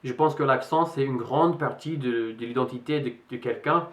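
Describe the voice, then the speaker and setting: A man's voice: mid-range voice, normal speed, a bit bright. A young Englishman with an English accent that carries a slight American tinge. He speaks French as a learner in a casual vlog, hesitating with many fillers and restarts. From England. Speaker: vlogger. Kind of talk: casual vlog talk to camera. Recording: roomy echo.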